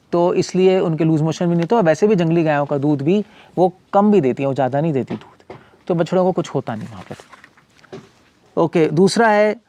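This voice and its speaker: A man with a slightly high voice explains his points in a loose, conversational way. He keeps repeating words and starting sentences over. English terms slip into his everyday speech. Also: warm tone. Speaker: monk and former medical doctor giving a talk. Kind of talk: casual explanatory talk. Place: cow shelter owner speaking from his farm community.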